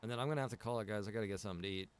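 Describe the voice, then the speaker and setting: A man with a fairly low-pitched voice talks at a racing pace over a slight hiss or hum. He's a game streamer and server operator, chatting casually with viewers during a livestream and rambling as he thinks out loud.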